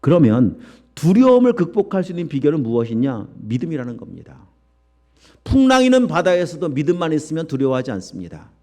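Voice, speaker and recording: A man's voice: on the high side, huge pitch swings, brisk, warm tone. A male pastor preaching an emphatic sermon full of rhetorical questions to his church congregation.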